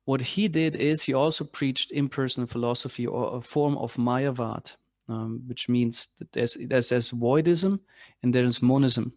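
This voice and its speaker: A man leading a class on spiritual philosophy, speaking in a halting way with many restarts and fillers. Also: medium pitch, darkish tone, dry recording, studio quality. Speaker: class leader. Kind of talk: spiritual lecture with discussion.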